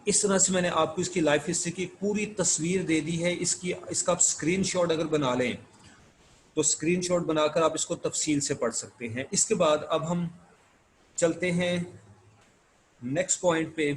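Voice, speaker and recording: A man giving an online literature lecture, explaining notes step by step and reading English passages out slowly. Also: fairly high pitch, slight background noise, low-quality recording. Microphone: screen-share recording.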